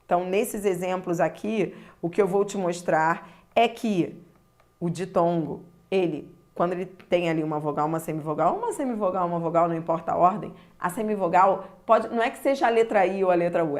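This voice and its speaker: A Brazilian woman with a Brazilian Portuguese accent teaches a grammar lesson, speaking slowly and deliberately straight to the viewer and stretching out key words. Her voice is fairly low and a little mellow.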